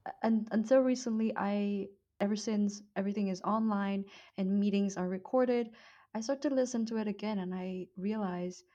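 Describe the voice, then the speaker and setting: A woman's voice: mid-range voice, moderate pace, dark tone, muffled recording. A woman with a Vietnamese accent, chatting with her co-host on a podcast and laughing easily. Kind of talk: casual chat.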